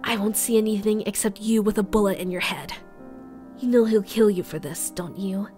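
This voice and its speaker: A woman's voice: mid-range voice, steady tone, normal speed, warm tone, faint music behind, close to an everyday voice. A woman voicing a young captive boy in an audio drama, terse, defiant and fiercely loyal.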